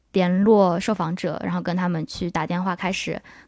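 Very clean recording, silent background. A woman speaks at a fairly low pitch in a monotone, flat intonation. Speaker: podcast co-host, journalism student. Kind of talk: casual chat. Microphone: new microphone.

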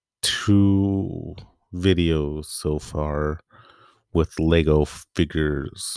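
A man with a very deep, low pitch is heard in a dry, close sound with no echo, on a very clean recording with a silent background. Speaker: podcast host. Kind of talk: solo podcast monologue, casual chat. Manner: monotone; casual, chatty.

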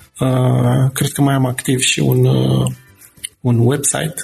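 Speech comes at a very slow pace with fairly even intonation. Noticeable background noise runs underneath. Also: man. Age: 40s. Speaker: digital agency founder. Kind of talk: interview.

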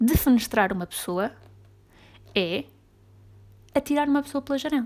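A woman's high voice in a European Portuguese accent, animated in tone with lively intonation. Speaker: podcaster. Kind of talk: casual monologue.

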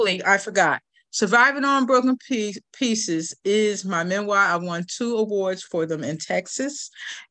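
A woman speaks at a fairly slow pace with an unremarkable speaking voice. Her pitch is medium with ordinary variation, against a quiet background. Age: 60s. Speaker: playwright and author. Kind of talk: interview.

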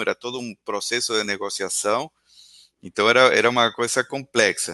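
A man at a fairly slow pace, bright, sharp tone, quiet background. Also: dry, close sound with no echo. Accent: Spanish. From Argentina. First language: Spanish (speaking Portuguese). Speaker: entrepreneur and podcaster. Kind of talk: interview. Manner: hesitant with many repetitions.

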